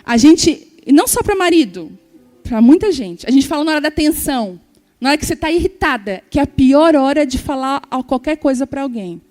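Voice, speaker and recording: A woman's voice: sits high, expressive, brisk, darkish tone. A woman preaching a sermon, telling a personal story and acting out the dialogue as she speaks to the congregation. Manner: storytelling, acting out dialogue, addressing the audience directly.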